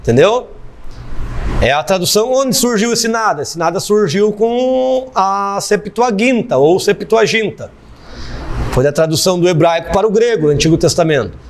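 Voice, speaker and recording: A man's voice: high voice, animated, normal speed, a little hiss or hum. A man teaching a theology class, explaining step by step and repeating key phrases for emphasis. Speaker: theology professor. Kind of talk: classroom lecture.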